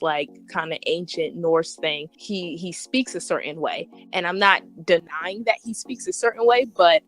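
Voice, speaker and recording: A woman's voice: lowish voice, fairly bright tone. A woman guest on a discussion podcast, giving her opinions casually in a frank, emphatic way. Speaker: podcast guest, fanfiction writer.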